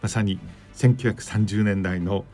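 A man hosting a radio interview, asking long questions in a measured, halting way with frequent fillers. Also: fairly low pitch, steady tone, warm tone, faint music behind. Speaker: radio show host and journalist.

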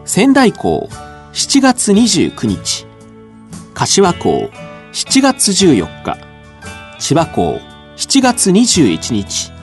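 Lively-pitched male radio announcer. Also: soft background music. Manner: clear measured reading, repeats dates.

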